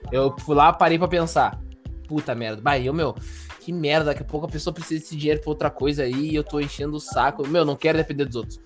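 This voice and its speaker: A man's voice: on the high side, fairly even intonation, quick pace, faint music behind. A man from Rio do Sul, chatting casually as a podcast co-host in a slangy, rambling way with many fillers. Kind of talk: casual chat.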